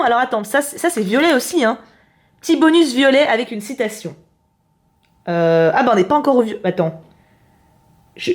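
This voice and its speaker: Chatty woman with a high voice. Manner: chatty and exclamatory, thinking aloud. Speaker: YouTuber host. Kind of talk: casual unboxing chat.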